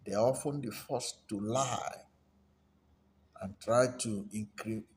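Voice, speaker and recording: A man with a Nigerian accent giving unscripted political commentary in a halting, deliberate manner, often rephrasing himself. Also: lowish voice. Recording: steady background noise, room ambience.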